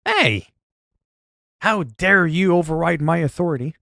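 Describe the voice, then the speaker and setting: A man hosting a livestream, chatting loudly in a mock-stern, profane way with quick swings in volume. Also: a little high, lively intonation, vocal fry, no echo, clean studio sound. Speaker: livestream host. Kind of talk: casual livestream chat.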